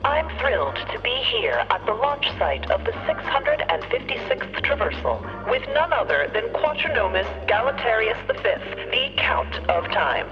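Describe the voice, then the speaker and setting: A woman's voice: a little high, sing-song, moderate pace, hardly any pauses. A polished, chirpy radio presenter in an audio drama. Her intonation swoops animatedly as she delivers effusive, presentational lines. The sound is narrow like an old broadcast, with music behind. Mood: gushing, deferential. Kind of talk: radio advert and live broadcast hosting. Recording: band-limited radio broadcast over music.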